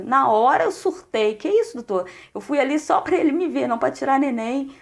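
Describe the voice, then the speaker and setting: Woman pastor, gravelly voice, fairly high pitch, animated testimony. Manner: animated storytelling with acted quotes. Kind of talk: testimony sermon.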